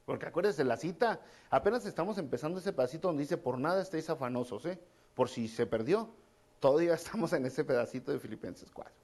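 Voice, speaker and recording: A man's voice: fairly high pitch, animated, fast, darkish tone. A man preaching a casual, conversational sermon, repeating key phrases and calling his listeners brother. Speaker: pastor.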